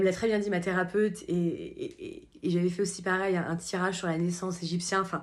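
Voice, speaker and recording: With audible room echo, a woman speaks at a medium pitch and a fairly quick pace. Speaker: spiritual coach and therapist vlogger. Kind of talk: casual personal vlog monologue. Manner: fast; animated.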